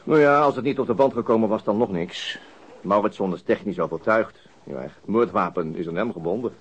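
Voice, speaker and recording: An actor playing a weary, unflappable police detective in a radio crime drama, with a dry, laconic manner. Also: male voice, lowish voice, brisk, slightly rough, rough recording. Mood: brisk, dismissive.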